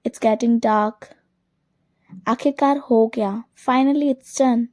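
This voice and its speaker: A woman teaching English phrases, saying each one quickly and then slowly repeating it twice. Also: a little high, steady tone, darkish tone. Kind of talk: slow phrase drill lesson.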